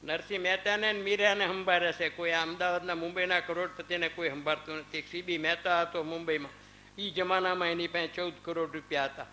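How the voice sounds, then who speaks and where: A man with a fairly high, bright voice gives a spiritual discourse to a small group. His talk is chatty: he calls on listeners by name, tells anecdotes and recites verses between points. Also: fairly even intonation, a little fast, slight background noise. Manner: conversational, addresses listeners by name. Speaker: religious discourse speaker.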